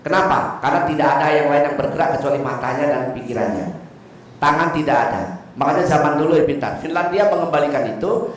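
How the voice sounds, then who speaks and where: An older man gives a lively Buddhist sermon with a fairly high voice. He jokes and keeps checking that his audience agrees. The sound is echoey and distant, with a faint hiss underneath. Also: fast talker. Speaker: Buddhist Dhamma speaker. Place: temple hall. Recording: echoey hall, distant mic.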